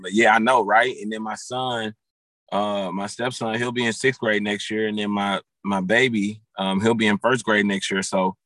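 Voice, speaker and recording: A man's voice: on the low side, fairly even intonation, normal speed, fairly bright tone, no echo. A man in his thirties, a guest and football coach, talking casually on a podcast with many fillers and restarts. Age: 30s.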